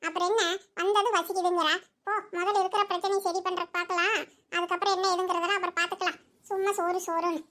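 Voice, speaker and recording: Brief: a performer doing a fast, scolding village aunt for a cartoon. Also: very high-pitched, little pitch movement, sharp tone. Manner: scolding, chattering. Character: fretful village aunt, middle-aged woman. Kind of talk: cartoon voice acting.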